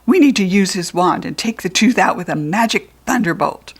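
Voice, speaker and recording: A woman's voice: mid-range voice, expressive, normal speed, husky. Woman doing a scoffing goblin. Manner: scoffing, loud. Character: scoffing male goblin, small.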